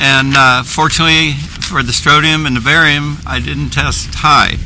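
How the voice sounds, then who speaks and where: There is audible room echo and noticeable background noise. A man talks at a moderate pace with fairly high pitch. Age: 70s. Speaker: citizen giving testimony. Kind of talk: testimony. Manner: halting.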